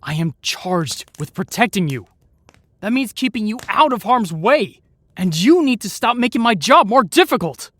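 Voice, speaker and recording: A man's voice: high-pitched, big pitch swings, moderate pace, a bit bright, dry recording, full character voice. A man playing a protective, exasperated knight in a fantasy audio roleplay, speaking formally and earnestly. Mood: exasperated scolding. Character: protective, exasperated young male knight guarding a lady.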